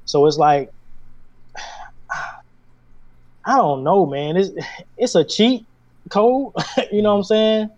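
Relaxed singer man, slightly high voice. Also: takes it slowly, pauses often, lo-fi sound. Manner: laid-back, chatty, laughs often. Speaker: singer guest. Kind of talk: casual conversation.

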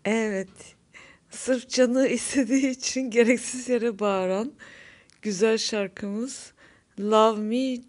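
Chatty woman hosting a music show. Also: on the high side. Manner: chatty, laughing often, frank. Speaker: radio show host. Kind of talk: casual music show chat.

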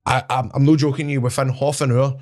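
A man with a Scottish accent telling animated, swearing-laced stories as a wrestler guest in casual chat. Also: medium pitch, fast talker. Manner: animated, swears, laughs at his own stories.

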